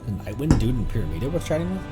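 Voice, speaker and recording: A man who streams games, reading aloud and commenting in a theatrical, deliberate way. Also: mid-range voice, big pitch swings, over loud music. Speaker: game streamer, VTuber.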